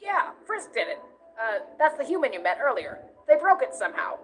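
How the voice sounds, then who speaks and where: A woman's voice: sits high, very animated, fairly quick, a bit bright. A woman voicing a childlike, earnest, hopeful young skeleton brother in a comic dub, using simple words. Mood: relieved, eager. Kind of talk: animated comic dub acting.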